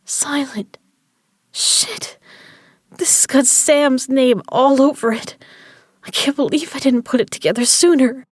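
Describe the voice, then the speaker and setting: Woman as injured gambler, high-pitched, stubborn, strained, sardonic, dry sound, audio drama. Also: measured pace, slightly rough, no room sound. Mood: puzzled, uneasy.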